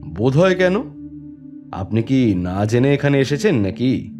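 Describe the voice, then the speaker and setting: An actor playing a calm, authoritative police inspector who narrates his own case in a dramatised detective story, measured and composed. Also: mid-range voice. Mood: firm, reassuring. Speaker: story reader and lead actor. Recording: long reverb, music bed behind.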